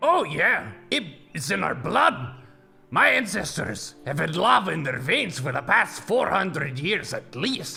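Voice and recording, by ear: Man's put-on character voice, fairly high in pitch and fairly slow, with faint music in the background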